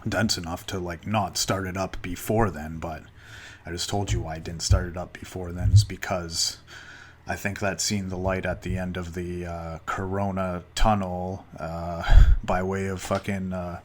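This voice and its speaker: A man's voice: sits low, little pitch movement. A Canadian man in his thirties hosting a solo podcast, rambling loosely with casual swearing. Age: 30s. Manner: loose, halting, many fillers and restarts, casual swearing. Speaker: podcast host.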